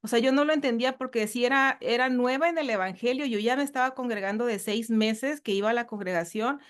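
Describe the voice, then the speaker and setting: A woman's voice: fairly high pitch, fast. A woman with a Mexican Spanish accent, from northern Mexico, giving an earnest personal testimony in a casual interview, often repeating herself and using fillers. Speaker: church guest.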